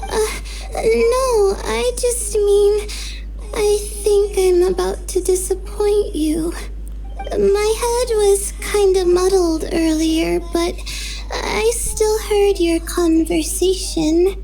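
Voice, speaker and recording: A woman's voice: extremely high pitch, takes it slowly, creaky, faint music behind, exaggerated voice, rough recording. Layla, a drowsy timid girl. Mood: apologetic. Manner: soft, hesitant, apologetic. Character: sleepy young woman scholar, gentle and meek.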